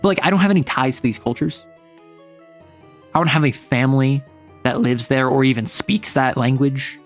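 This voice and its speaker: An American man, a young adult, chatting casually on a livestream in a rambling, self-interrupting, wry way. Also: medium pitch. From United States. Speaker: streamer.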